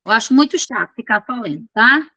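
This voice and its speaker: A woman's voice: on the high side, animated, fairly quick, bright, forceful tone, dry recording, muffled recording. A woman teaching an online class. She reads from course notes and keeps checking in with her students in a chatty, informal way.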